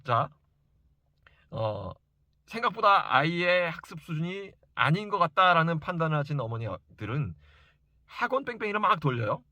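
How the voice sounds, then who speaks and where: A man's voice: on the high side, big pitch swings, moderate pace, bright, forceful tone, dry recording. A man giving an informal educational talk to parents as a study coach, speaking emphatically and insistently and repeating key points for stress. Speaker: private reading and study coach advising parents.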